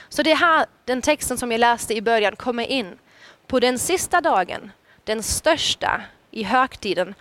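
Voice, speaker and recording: Woman preacher, higher-pitched voice, storytelling sermon delivery with dramatic quoted lines. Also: fairly bright tone, no room sound. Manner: storytelling, dramatic rises when quoting.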